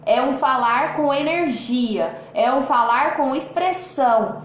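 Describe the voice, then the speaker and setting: A Brazilian woman speaking from home on a live stream, lively and expressive, changing her loudness and tone on purpose as she reads out viewers' comments. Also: high voice, takes it slowly, echoey room, a little hiss or hum. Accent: Brazilian Portuguese. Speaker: lawyer and online mentor hosting a live.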